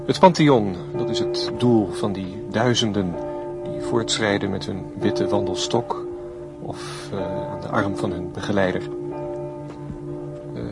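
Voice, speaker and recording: A solemn 1950s radio reporter giving live commentary. His low voice moves slowly and deliberately, pausing now and then. Loud musical sound runs behind him. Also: gravelly. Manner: solemn, measured, hesitant fillers. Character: solemn male radio reporter at state funeral procession. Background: church bells, music.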